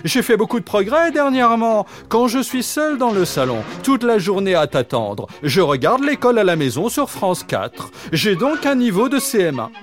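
A man's voice: high-pitched, big pitch swings, normal speed, few pauses, soft background music, pitched above the performer's own voice. A man doing Jean Waf, a bragging talking dog. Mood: proud. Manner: proud, chatty and grandly articulate. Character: boastful clever talking male pet dog.

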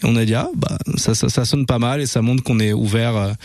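A young man, a musician guest, answering casually in a relaxed, halting way and repeating words. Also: medium pitch, no echo.

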